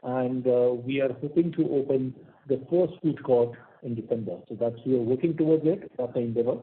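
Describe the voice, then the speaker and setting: Indian man, company executive, mid-pitched, reassuring, matter-of-fact, phone-quality audio. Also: brisk. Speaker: company executive answering questions. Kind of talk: earnings call answers. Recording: tinny narrowband conference phone line.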